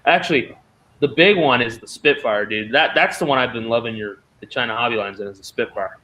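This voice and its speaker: A man hosting a casual chat, excitable and saying dude a lot, swearing now and then. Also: medium pitch, fairly quick. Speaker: channel host.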